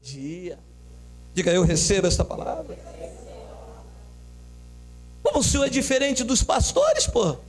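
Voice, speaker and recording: A man preaching a sermon as pastor, swelling into shouted climaxes. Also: extremely high pitch, wildly swooping pitch, a little slow, long pauses.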